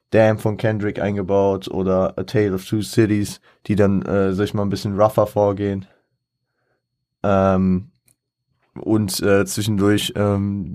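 A man with a lowish voice talks through a casual solo podcast episode, thinking aloud as he goes. He rambles, stops to count things off, and corrects himself often with plenty of fillers. The sound is dry and close, with no room around it. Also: a little mellow, no room sound. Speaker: podcast host.

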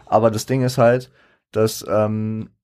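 A man co-hosting a casual music discussion in a hesitant, halting way, choosing his words carefully. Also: on the low side, level tone, a little mellow, clear, resonant tone. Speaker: co-host of a German rap album review.

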